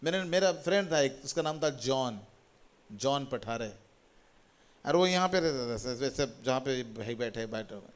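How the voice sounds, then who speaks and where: Here a middle-aged pastor delivers a sermon in a mid-range, expressive voice at a measured pace. His style is repetitive and exhorting, punctuated by calls of hallelujah to the congregation.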